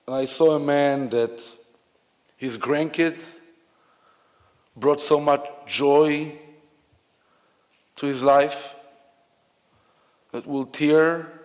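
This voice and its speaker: Israeli male officiant, reflective and unhurried, fillers and restarts, long hall reverb. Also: a little high, steady tone. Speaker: officiant at a memorial service. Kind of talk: memorial eulogy.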